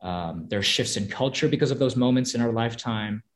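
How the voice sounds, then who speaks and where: A young man, an actor whose first language is Korean, answering interview questions thoughtfully, with frequent restarts and soft laughs. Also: medium pitch, brisk.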